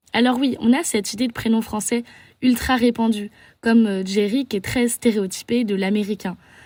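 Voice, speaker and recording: Somewhat breathy and fairly high in pitch, a woman speaks in a French accent at a moderate pace. Her intonation is fairly even, and the recording is very clean with a silent background. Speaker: podcast host. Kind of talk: film review podcast. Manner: calm, measured.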